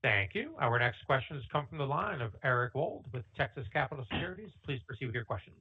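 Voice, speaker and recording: Husky male operator on a phone line. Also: mid-range voice, expressive, fast talker. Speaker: conference call operator. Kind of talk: scripted call announcements.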